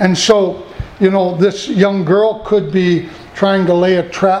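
Over noticeable background noise, a man with a high pitch talks at a fairly slow pace in a monotone, flat intonation. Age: 70s. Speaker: pastor. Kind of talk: sermon. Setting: church.

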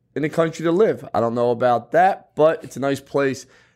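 On a very clean recording with a silent background, a man in a normal speaking voice talks at a moderate pace. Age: 40s. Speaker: podcast host, marketing business owner. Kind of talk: interview.

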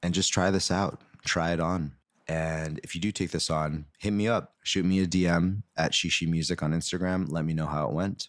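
A man talks at a moderate pace with fairly even intonation. His pitch is very deep and low. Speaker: podcast host. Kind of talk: solo podcast monologue.

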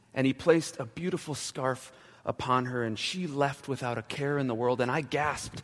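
The pitch rises and falls in an ordinary way. It is a natural reading voice.

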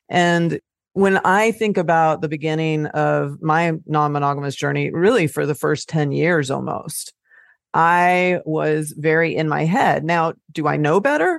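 A woman speaks in an ordinary speaking voice at a fairly low pitch. Her pace is moderate and her pitch varies in an ordinary way. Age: 50s. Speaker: therapist and author. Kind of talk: interview.

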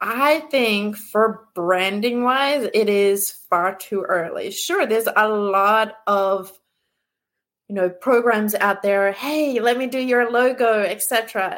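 Speaking at a very slow pace, a woman has a fairly high pitch with ordinary pitch variation. She talks with an Australian accent. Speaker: branding strategist. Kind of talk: casual interview. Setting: live stream.

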